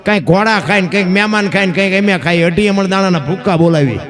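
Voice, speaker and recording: High-voiced folk storyteller. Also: male voice, fast, fairly bright tone, faint music behind. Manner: folksy, addresses listeners as bapu.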